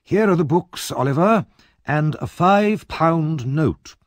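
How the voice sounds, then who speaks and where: A man voicing a kindly older gentleman who speaks in a measured, earnest way. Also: fairly high pitch, expressive, no echo, pitched above the performer's own voice.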